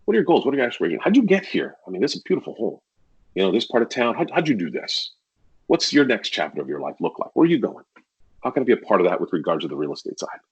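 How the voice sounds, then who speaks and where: A man talking candidly as a guest on a casual podcast, acting out sales pitches as he tells stories. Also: very animated, rapid-fire, husky, muffled recording. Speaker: podcast guest, real estate agent.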